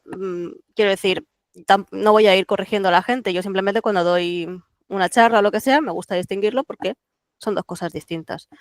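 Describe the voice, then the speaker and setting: A speaker whose first language is Catalan, talking as a translator guest on a podcast in a thoughtful, explanatory way with frequent fillers. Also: female voice, mid-range voice, no echo. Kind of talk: relaxed podcast interview.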